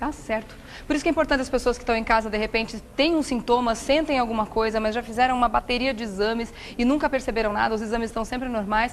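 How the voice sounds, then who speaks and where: Over noticeable background noise, a woman talks at a very fast pace with a fairly high pitch and fairly even intonation. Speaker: TV host. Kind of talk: TV interview.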